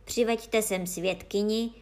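Přísný tlustý soudce v podání předčítající ženy hřímá a hlasitě křičí. Jeho hlas je oproti vyprávění silnější, ale ve stejné výšce. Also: female voice, mid-range voice, steady tone, a little mellow, close to an everyday voice. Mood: hřímavý, rozhněvaný.

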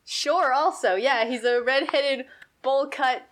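A woman's voice: sits high, slow pace, a bit bright. A woman acting as game master, narrating a tabletop game in a casual, conversational way.

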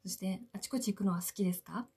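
A woman hosting a solo podcast, chatting politely and playfully to her listeners from a quiet hotel room. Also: mid-range voice, quick pace, breathy edge. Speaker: podcast host, actress. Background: faint classical Ave Maria music.

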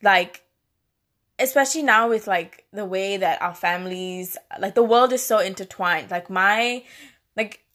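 A woman's voice: mid-range voice, a little slow, fairly bright tone. A young woman from Malaysia with a Malaysian accent, chatting casually and swearing now and then, with many fillers. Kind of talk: casual chat.

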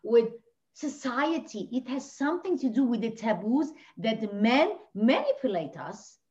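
A middle-aged woman from Lebanon, English not her first language, telling her personal story as an interview guest in an impassioned, emphatic way. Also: high-pitched. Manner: impassioned, emphatic, swings between loud and hushed. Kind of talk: emotional personal testimony. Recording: dull lo-fi audio.

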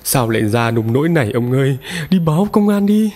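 A man doing a frantic, shrill village wife. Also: a little fast, a little mellow, husky. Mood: panicked. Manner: shrill, panicky and pleading. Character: frantic frightened middle-aged village wife. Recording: long reverb.

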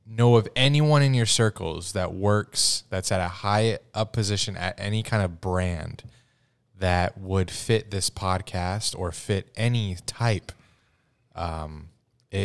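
Smooth, lowish-voiced young male podcaster. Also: slow. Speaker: podcast co-host. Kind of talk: casual podcast chat.

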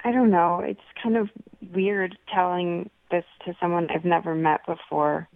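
A woman's voice: lowish voice, steady tone, normal speed, creaky, no room sound. A woman calling in by phone, guarded and laughing as she talks. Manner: guarded, laughs while talking. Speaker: caller. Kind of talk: phone conversation on radio. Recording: tinny phone line.

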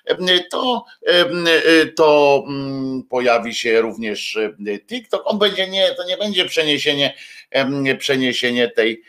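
Slow, halting male stream host. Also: medium pitch, expressive, fairly bright tone. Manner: hesitant, many filler sounds and restarts; jokey, chatty asides. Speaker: livestream host. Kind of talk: casual rambling chat to viewers.

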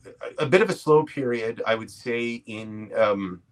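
A man's voice: medium pitch, measured pace, rough recording. A man, a comedy writer and actor, speaking as a guest in a casual interview, rambling loosely through his story with lots of "like" and "you know".

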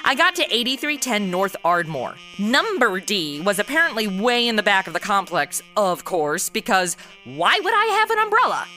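A woman's voice: mid-range voice, very animated, moderate pace, few pauses, pushed and bright, faint music behind. An actress playing a sarcastic, slangy modern young American woman stuck in an old radio noir comedy, narrating and bantering with exasperation. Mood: wry. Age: young adult. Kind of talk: comedic audio drama, first-person narration and dialogue.

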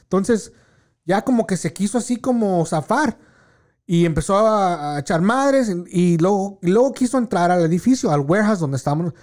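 A man talks in a high voice, in casual, profane chat. He tells a story and slips English words into his talk. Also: lively intonation, normal speed, a little mellow.

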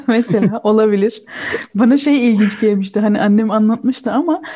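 Mellow woman chatting casually. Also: on the high side, normal speed, slight background noise. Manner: switches between Turkish and German mid-sentence. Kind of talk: casual chat, explaining a film.

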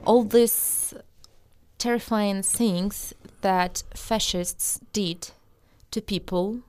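A woman from eastern Ukraine, Russian her first language, speaks English in an interview. She answers emphatically, often breaking off and restarting her sentences. Her pitch sits in an ordinary middle range. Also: fairly even intonation, extremely slow, a little mellow, a little hiss or hum. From Ukraine, Donetsk region. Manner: emphatic, many restarts and hesitations.

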